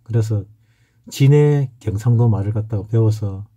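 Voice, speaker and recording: Low, husky Gyeongsang man lecturing. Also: normal speed, warm tone. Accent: Gyeongsang Korean. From Gyeongsang region, South Korea. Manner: rambling, anecdotal, frequent hesitations. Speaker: saju fortune-telling instructor. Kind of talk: casual lecture.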